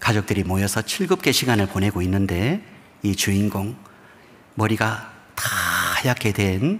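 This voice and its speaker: In a Gyeongsang accent, a man talks at a fairly slow pace with ordinary pitch variation. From Busan, South Korea. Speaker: pastor. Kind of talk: sermon.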